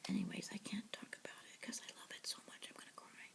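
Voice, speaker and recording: A woman reading news articles aloud in a soft ASMR whisper, adding her own asides. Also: fast.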